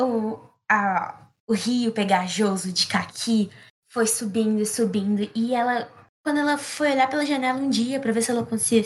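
A woman improvising a children's story, playful and rambling with asides. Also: fairly high pitch.

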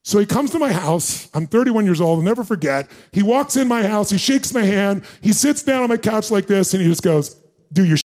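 A man's voice: high-pitched, lively intonation, fairly quick, hardly any pauses, a little mellow. A middle-aged man speaking live to an audience, telling a punchy story, acting out quoted dialogue and asking the crowd questions. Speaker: motivational speaker.

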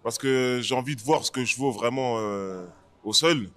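A man's voice: mid-range voice, normal speed, a bit bright. A man who is an MMA fighter, answering interview questions casually and hesitantly, with many fillers and restarts. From France.

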